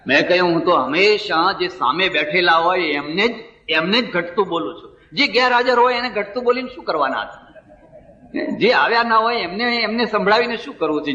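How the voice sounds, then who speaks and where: A man's voice: high voice, sharp tone. A man with a Gujarati accent giving a spiritual discourse, telling stories and acting out the words of the people in them. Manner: storytelling, acting out dialogue of others. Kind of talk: sermon with told stories. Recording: distant, roomy, dull sound from a hall.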